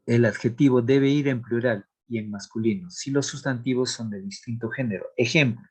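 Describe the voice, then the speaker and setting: A man teaching a grammar lesson, explaining rules slowly and deliberately, reading out examples and checking in with the class. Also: medium pitch, a little mellow, breathy edge. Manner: asks checking questions of the class.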